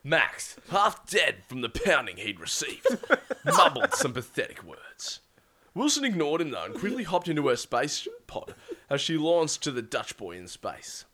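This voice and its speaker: A man's voice: fairly high pitch, wildly swooping pitch, unhurried, bright, forceful tone. A man hosting a show and reading out a comic sci-fi story, often breaking into laughter. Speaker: storyteller and host.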